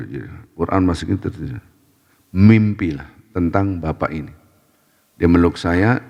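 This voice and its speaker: Man, preacher, mosque sermon, lowish voice, lively storytelling, Arabic devotional phrases, long hall reverb. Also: creaky. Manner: lively storytelling, acting out people in his anecdotes.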